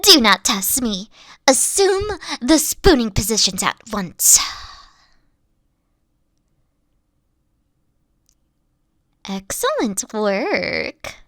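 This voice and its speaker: A woman playing a dorky, boastful evil queen in a comedic, intimate roleplay monologue, theatrical and petulant but awkward and secretly soft. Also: a little high, very animated, slow, dry recording, studio quality, exaggerated voice. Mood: bossy. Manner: theatrical boasting that slips into awkward, flustered stammering.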